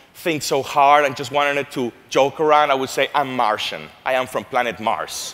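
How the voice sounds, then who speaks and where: This man talks at a moderate pace. His pitch is fairly high. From Monterrey, Mexico. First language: Spanish. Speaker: entrepreneur and university lecturer. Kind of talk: conference talk. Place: stage. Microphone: headset.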